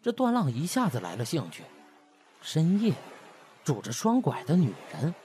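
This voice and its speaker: A man's voice: on the high side, wildly swooping pitch, normal speed, warm tone, slight background noise. A man narrating a comic audiobook in a colloquial, theatrical storytelling manner. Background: music.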